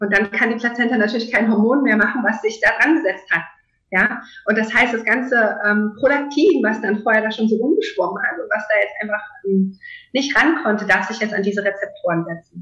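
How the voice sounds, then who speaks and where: A woman talks at a fairly quick pace with a fairly high pitch. Her tone is bright and sharp, with ordinary pitch variation. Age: 30s. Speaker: physician and lactation consultant. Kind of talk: interview.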